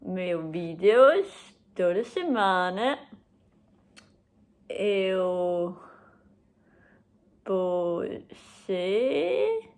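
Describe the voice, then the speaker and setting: A young woman with a German accent speaks slowly in halting beginner sentences, with frequent pauses, fillers and self-corrections, and laughs often. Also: on the low side. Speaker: language learner. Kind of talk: unscripted video message to her boyfriend.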